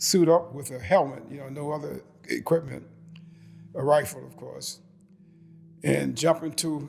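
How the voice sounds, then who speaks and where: A man talks at a fairly slow pace with long, frequent pauses. His loudness swings widely, and music plays behind him. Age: 80s+. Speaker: war veteran. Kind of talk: interview testimony. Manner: halting, with repetitions and fillers.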